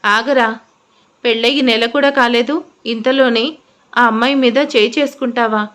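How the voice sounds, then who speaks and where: A woman's voice: a little high, steady tone, unhurried, fairly bright tone. Woman voicing a stern elderly aunt. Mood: angry scolding. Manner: scolding then soothing.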